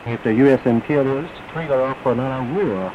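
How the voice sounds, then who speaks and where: A man reading formal scripted propaganda news as a radio announcer, in a solemn, deliberate, declamatory manner. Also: mid-range voice. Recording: dull hissy shortwave radio broadcast, heavy noise.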